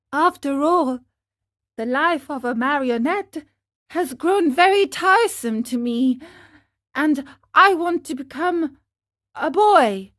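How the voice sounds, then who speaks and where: A woman reading an audiobook, voicing an eager, mischievous wooden puppet boy who talks in a high, pleading way. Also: fairly bright tone, exaggerated voice.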